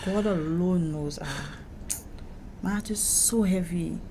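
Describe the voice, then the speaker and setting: A woman's voice: on the low side, slow pace, dark tone. A woman with a Caribbean accent playing a proud, wounded young gay woman in a conversational audio drama, emphatic and indignant. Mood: heavy-hearted, resolute. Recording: noticeable background noise.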